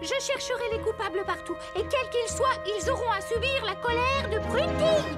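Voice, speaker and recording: Indignant, sharp-tongued cartoon girl, extremely high voice over loud music. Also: expressive, normal speed. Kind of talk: French-language children's cartoon dubbing.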